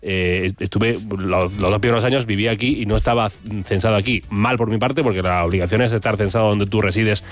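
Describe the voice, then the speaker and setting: A man hosting a quiz segment in a lively radio chat, teasing the contestants in a quick, jokey way. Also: lowish voice, soft background music. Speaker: quiz host.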